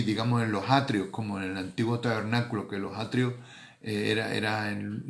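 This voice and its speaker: Man, middle-aged pastor, low voice, chatty sermon. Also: gravelly. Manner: conversational, often adds tag questions. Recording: echoey room.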